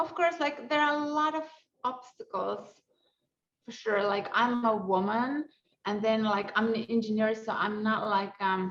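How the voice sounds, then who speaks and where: Lively intonation from a woman at a fairly high pitch and moderate pace. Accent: non-native. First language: not English. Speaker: neuroscience professor. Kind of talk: interview. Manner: casual, many fillers.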